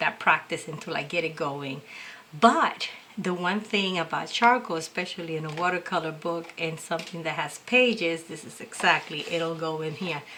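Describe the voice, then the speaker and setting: A woman with a non-native accent at a fairly low pitch and a moderate pace, big swings in loudness, noticeable background noise. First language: not English. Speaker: art YouTuber. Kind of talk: casual tutorial. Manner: halting, many fillers.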